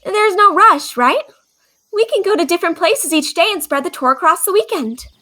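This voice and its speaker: A woman playing an excitable, eager young tourist in an audio drama, wide-eyed and enthusiastic. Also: very high voice, moderate pace, exaggerated voice. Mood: agreeable. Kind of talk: audio drama character acting.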